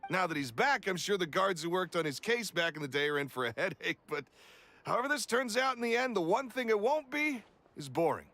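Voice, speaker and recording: An excitable townsman from a video game, speaks high and sharply with lively swings in pitch. He is opinionated and utterly sure of himself. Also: fairly quick, full character voice. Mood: confident, excited. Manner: emphatic, self-assured. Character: excitable, opinionated male townsperson giving an interview. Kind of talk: animated video game dialogue.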